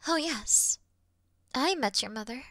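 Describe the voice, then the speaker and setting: Demon queen, played by a woman: regal, sincere, measured and soft-spoken, with a bright edge, recorded dry for fantasy roleplay audio. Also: sits high, lively intonation, dry recording, exaggerated voice. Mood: tender, nostalgic. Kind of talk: scripted fantasy audio roleplay addressed to the listener.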